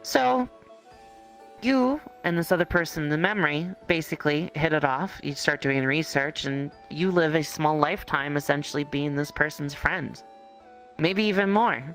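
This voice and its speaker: A game master improvising second-person roleplay narration in a conversational, halting way. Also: medium pitch, a bit bright, faint music behind, rough recording. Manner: conversational, halting storytelling with hedges.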